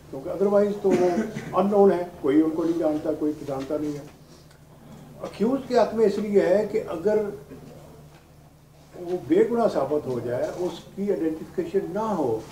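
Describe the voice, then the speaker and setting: An older man with a Pakistani accent giving a lecture in a deliberate, explanatory way, posing rhetorical questions and mixing in English terms. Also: on the high side, warm tone. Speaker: law lecturer, retired judge. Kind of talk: lecture to law students. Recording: roomy, distant microphone, noisy background.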